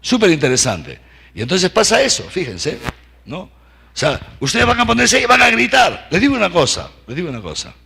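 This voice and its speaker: Man preaching, high lively voice, gravelly and husky, bright tone, acts out shouts. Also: moderate pace. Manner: animated storytelling, acting out voices and shouts; asks the audience for agreement with short tags.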